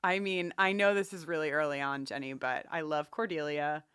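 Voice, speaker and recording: A woman podcaster chats casually, animated and enthusiastic, often wandering into little stories. Her voice is bright and clean-toned, recorded dry with no room around it. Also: sits low, moderate pace, smooth, no room sound. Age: 40s. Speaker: podcast co-host. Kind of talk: casual chatty storytelling and banter.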